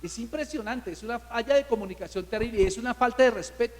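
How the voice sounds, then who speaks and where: High-voiced emphatic preacher in a reverberant hall. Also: male voice, fast talker. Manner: emphatic, rhetorical questions to the congregation. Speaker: pastor. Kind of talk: sermon.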